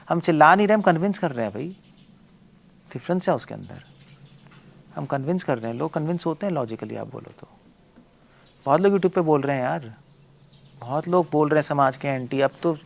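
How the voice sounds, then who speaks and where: A man, a monk and preacher, giving a blunt, forceful lecture, firing rhetorical questions and mixing English words into his talk. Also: a little high, vocal fry.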